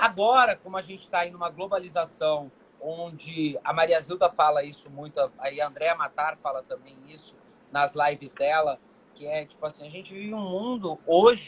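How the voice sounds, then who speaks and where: A man talks at a moderate pace with very wide pitch swings and big swings in loudness. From southern Brazil, Porto Alegre (Rio Grande do Sul). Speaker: actor and casting producer. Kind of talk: interview. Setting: video call live stream.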